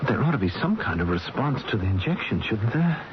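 An actor playing a worried middle-aged father in a radio drama, halting and repeating himself. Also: lowish voice, very animated. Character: anxious middle-aged father fretting over a sick woman. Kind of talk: old-time radio drama acting. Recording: dull vintage radio recording, faint hiss.

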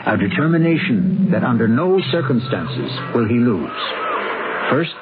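A man hosting and narrating a radio drama in a theatrical, literary style with deliberate emphasis. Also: medium pitch, big pitch swings. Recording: thin phone-like radio broadcast, loud music behind. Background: dramatic music.

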